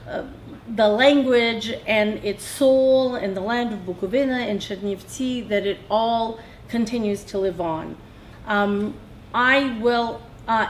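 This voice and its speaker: A middle-aged woman welcomes an audience in a small lecture hall. Her mid-range voice is enthusiastic and unhurried, with faint room noise around her. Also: medium pitch. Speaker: guest speaker introducing the lecturer. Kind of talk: formal welcome remarks.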